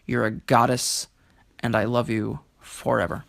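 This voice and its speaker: A man's voice: mid-range voice, little pitch movement, a little slow, creaky, fairly bright tone, no echo, clean studio sound. A man speaking in an earnest, reflective way as a guest poet. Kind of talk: earnest conversational talk and poetry reading.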